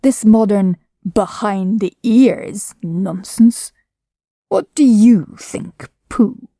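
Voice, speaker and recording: A glum old donkey grumbles at a crawl, put on by a woman reading aloud. The tone is mellow and breathy, each complaint drawn out. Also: mid-range voice, no echo, clean studio sound. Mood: grumbling. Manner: slow, mournful grumbling.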